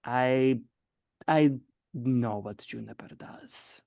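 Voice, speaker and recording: Woman as a creaky, sardonic scientist adventurer. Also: very deep voice, a little mellow, no room sound, clean studio sound, full character voice. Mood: guarded, exasperated. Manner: halting, sardonic, swears. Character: guarded, skeptical female scientist adventurer, sardonic and profane.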